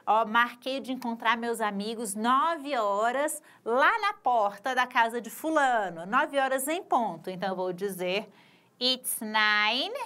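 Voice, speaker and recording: Woman, adult-ed English teacher, high voice, unhurried. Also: fairly bright tone. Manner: patient, repeats phrases slowly and clearly. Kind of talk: recorded video lesson for adult learners.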